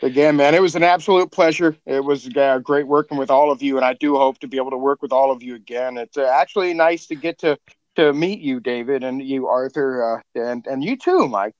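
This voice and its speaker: A man's voice: mid-range voice, fairly quick, no echo, muffled recording. A man hosting a podcast in casual chat, laid-back and laughing often. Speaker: podcast host.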